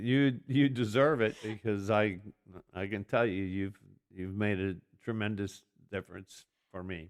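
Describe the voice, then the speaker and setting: Speaking fairly slowly with long, frequent pauses, a man keeps a fairly low pitch with ordinary variation. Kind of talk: interview. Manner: halting.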